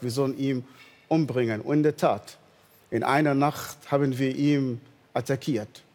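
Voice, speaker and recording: A man's voice: medium pitch, darkish tone. Man preaching in a reverberant hall. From northern Sudan. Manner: earnest, slow storytelling with non-native German grammar. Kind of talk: sermon with personal testimony.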